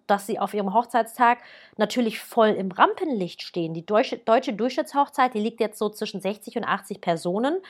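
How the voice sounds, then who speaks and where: A woman in her thirties, born in Germany, talking casually and directly to the listener as a wedding planner giving advice. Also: medium pitch. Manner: chatty, lively, speaks directly to the listener.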